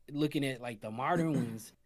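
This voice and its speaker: A man with a medium-pitched voice talks casually as a panelist on a gaming show. He thinks aloud, hesitating as he works toward his opinion. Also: measured pace. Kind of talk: casual group chat.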